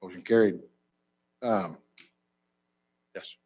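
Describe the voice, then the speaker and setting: Guy running a county board meeting, kinda low voice, muffled lo-fi sound. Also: steady tone, takes it slowly, darkish tone, husky. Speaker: committee chairman.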